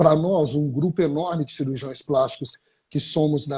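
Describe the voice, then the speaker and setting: Somewhat breathy and fairly high-pitched, a man speaks at a fairly slow pace. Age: 60s. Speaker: plastic surgeon. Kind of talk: live stream interview. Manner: emphatic.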